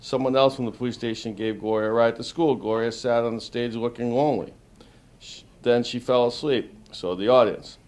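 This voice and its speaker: A man's voice: medium pitch, steady tone, a little fast, a little mellow. A man who is a police officer, reading a picture book aloud to children. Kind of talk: children's storybook read-aloud.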